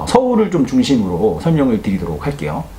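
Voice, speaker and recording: Over noticeable background noise, a man with a fairly high pitch speaks with very wide pitch swings. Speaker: real estate YouTuber. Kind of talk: informational talk to camera. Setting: home studio with lighting.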